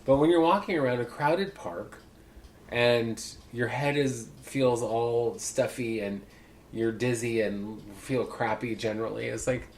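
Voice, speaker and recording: Regular-pitched guy on a podcast rambling through a trip story, kinda self-mocking, faint hiss. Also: a little slow. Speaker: podcast co-host. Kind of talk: casual podcast chat.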